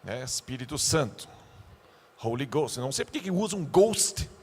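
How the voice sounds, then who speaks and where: A male pastor giving a youth sermon, animated and joking, acting out the scenes he tells. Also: medium pitch, moderate pace, long reverb tail, a little hiss or hum.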